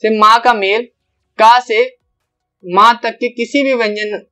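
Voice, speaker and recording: A young man teaching an online grammar lesson, explaining step by step and repeating each example with drawn-out syllables. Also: sits high, steady tone, sharp tone, faint music behind.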